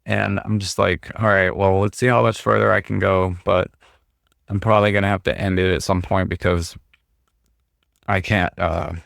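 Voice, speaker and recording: A man talking casually on a livestream, rambling with lots of fillers, his voice going hoarse as he gets over being sick. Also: low voice, little pitch movement, normal speed, a bit bright, no echo, studio quality. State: hoarse, recovering from illness. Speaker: streamer.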